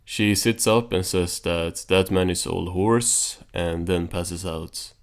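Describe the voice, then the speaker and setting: Male recap narrator, low register, casual and understated, dry commentary delivery. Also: steady tone, slow. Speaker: video reviewer and narrator.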